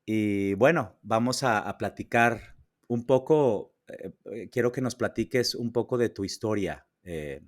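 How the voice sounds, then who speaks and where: Podcast host, Mexican man, lowish voice, halting delivery full of fillers. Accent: Mexican Spanish. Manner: hesitant, many fillers and restarts. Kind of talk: casual interview. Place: New York.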